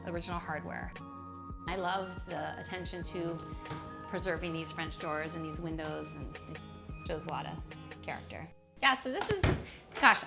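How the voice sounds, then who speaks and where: A woman from Hawaii in her thirties giving an enthusiastic, casual tour of her small home. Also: on the low side. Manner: warm, enthusiastic, laughs often. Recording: background music.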